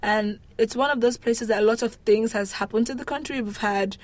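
A Nigerian woman with a fairly high voice speaks fairly quickly, answering interview questions casually and with wry humour as she describes her home country.

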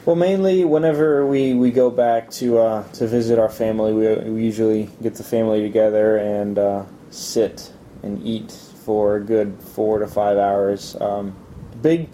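A young man answering interview questions in a casual, halting way, with many fillers and restarts. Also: on the low side, mellow, a little hiss or hum.

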